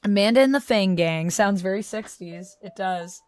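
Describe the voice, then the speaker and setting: Still recovering from vocal strain, this streamer reads viewers' chat messages out loud and replies in a relaxed way. She speaks at normal speed with a medium pitch, and there's slight background noise.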